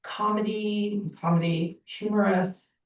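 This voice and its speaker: A woman's voice: mid-range voice, fairly even intonation, a little slow. Woman musing aloud in an echoey meeting room. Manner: thinking aloud, many fillers. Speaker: commission member. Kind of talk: public meeting discussion. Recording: echoey room, distant mic, dull sound.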